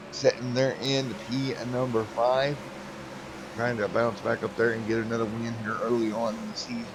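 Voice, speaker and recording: Folksy guy calling a sim race, middle pitch, faint engine hum behind. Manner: folksy, drawling, says "Mister" before drivers' names. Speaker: race commentator. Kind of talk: sim racing play-by-play commentary.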